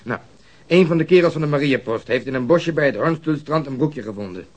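An actor in a radio drama playing a griping junior police detective with an informal, complaining manner. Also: male voice, a little high, expressive, brisk, darkish tone. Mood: exasperated. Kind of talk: Dutch radio drama acting.

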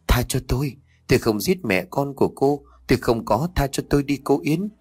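A man's voice: medium pitch, animated, brisk, darkish tone, husky, dry recording, studio quality, voice pushed up. A man voicing a terrified older mother who begs frantically for mercy. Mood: begging. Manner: pleading, frantic.

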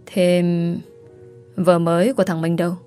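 A woman's voice: lowish voice, flat delivery, unhurried, dark tone, smooth, soft background music, close to an everyday voice. A woman voicing a scheming, bossy middle-aged mother in a spoken story. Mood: probing. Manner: fussing, wailing, bossy. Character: scheming wealthy middle-aged mother pushing her daughter.

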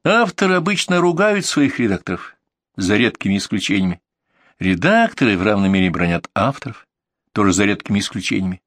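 A man narrates an audiobook of essays in a fairly low voice, taking his time with each phrase. The recording is close and dry, with no room sound around him. His delivery is steady and deliberate, easing off further for examples. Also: dry recording. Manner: measured, deliberate delivery, slowing down for word lists and examples. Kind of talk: scripted audiobook reading of essays.

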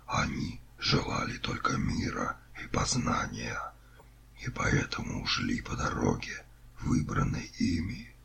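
A man voicing an ancient imprisoned male being, proud and remorseful, in whispered role-play with a gravelly, brooding delivery. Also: very deep voice, voice pushed down, full character voice. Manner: slow, brooding.

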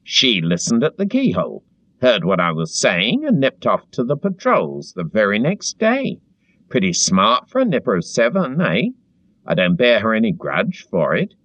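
A man's voice: a bit bright, no room sound. A man doing a frightened pleading prisoner. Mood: doleful pride. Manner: eager, pleading, high and strained. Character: frightened servile middle-aged man, pleading and anxious. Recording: dull dry lo-fi recording.

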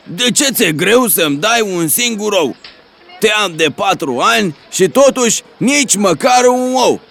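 A man's voice: sits high, lively intonation, vocal fry, fairly bright tone, heavily acted. A man voicing a rude man who scolds his hen, talking in a harsh, mocking way. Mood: scornful. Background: background music.

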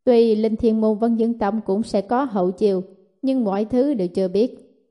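A woman voicing an aged male elder in blue robes who speaks in a slow, measured murmur. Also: a little high, steady tone, dark tone, lightly acted. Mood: grave.

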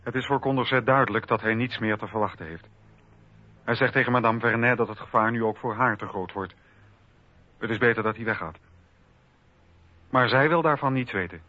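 A man's voice: mid-range voice, brisk, pauses often. A man narrating a scripted historical documentary drama for radio. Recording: dry, slightly dull radio recording.

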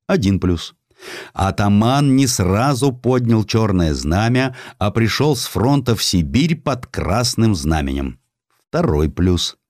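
Low-voiced man narrating history. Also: a little mellow, dry recording, clean studio sound. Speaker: audiobook narrator. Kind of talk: scripted dramatic narration of a historical essay.

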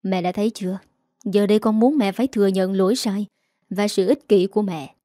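A woman's voice: medium pitch, fairly even intonation, brisk, dark tone, no room sound, studio quality, natural voice. A woman voicing a young husband who is cold and reproachful, in an audio story.

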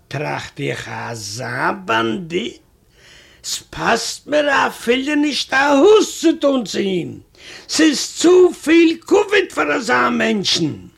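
A man's voice: high-pitched, gravelly, a bit bright. A man reading a comic first-person story aloud, in a wry, chatty manner that keeps coming back to "I say". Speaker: reader of a humorous story.

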